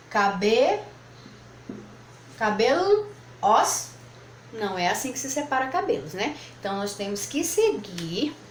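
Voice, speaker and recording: A woman teaching a lesson at a board, patiently spelling out words syllable by syllable. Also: medium pitch. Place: room with whiteboard. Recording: echoey room, faint background noise.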